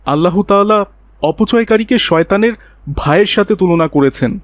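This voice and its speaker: A man voicing a gentle, pious father who patiently counsels his child in an Islamic children's cartoon. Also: high-pitched, moderate pace, no echo, lightly acted. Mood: gently admonishing. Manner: soothing, preachy.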